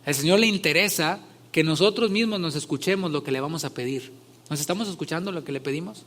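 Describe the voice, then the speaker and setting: A male pastor preaching a sermon in a conversational way, growing loud and emphatic when he retells scripture scenes. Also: a little high, quick pace.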